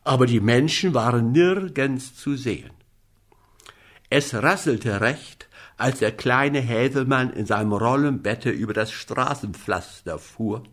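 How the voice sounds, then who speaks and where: Slow, expressive male storyteller. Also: medium pitch. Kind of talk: reading a fairy tale aloud.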